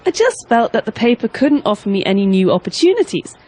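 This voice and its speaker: A woman's voice: on the high side, very animated, quick pace, a little mellow, breathy edge. A woman playing a young job candidate in a scripted dialogue, speaking earnestly about her past job.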